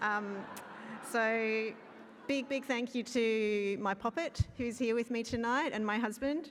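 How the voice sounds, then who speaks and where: A woman with a strong Queensland accent speaks at a fairly slow pace with ordinary pitch variation. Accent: broad Queensland Australian. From Queensland, Australia. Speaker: award-winning author. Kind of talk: acceptance speech. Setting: awards ceremony with audience.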